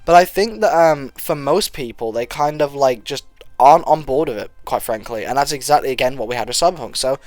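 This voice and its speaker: Young male gaming vlogger, congested from a cold, earnest and rambling, mid-pitched, dry close sound. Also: lively intonation, brisk, a little mellow, no echo. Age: young adult. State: stuffy from a cold. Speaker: gaming channel host. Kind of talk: casual opinion vlog.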